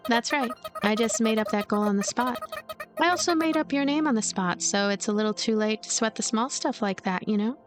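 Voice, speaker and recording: A woman's voice: a little high, a little fast, music in the background, lightly acted. A woman voicing a lonely, blunt and protective young ghost girl in a visual novel, earnest and plain-spoken. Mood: defiant, earnest.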